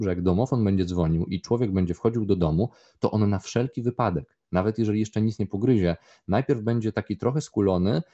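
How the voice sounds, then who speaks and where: Low, dark-voiced dog trainer. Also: male voice, lo-fi sound. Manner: long explanatory answers with many fillers. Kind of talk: podcast conversation.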